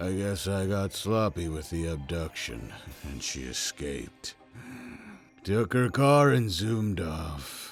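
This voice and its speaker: The man's pitch is pushed very deep and low in a put-on character voice. His speech moves fairly slowly. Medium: audio drama. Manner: rambling, hesitant with filler words.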